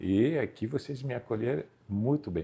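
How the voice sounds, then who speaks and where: A man with a non-native accent speaks at a fairly slow pace in a dark, mellow tone, his pitch varying in an ordinary way. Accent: foreign accent in Portuguese, lasting. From Belgium (Brussels). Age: 50s. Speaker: photographer. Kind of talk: interview. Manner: halting, many fillers.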